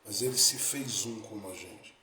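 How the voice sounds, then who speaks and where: A man preaching a sermon as pastor, building to emphatic peaks and then dropping soft. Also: on the low side, normal speed, a little hiss or hum. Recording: echoey room, faint ambience.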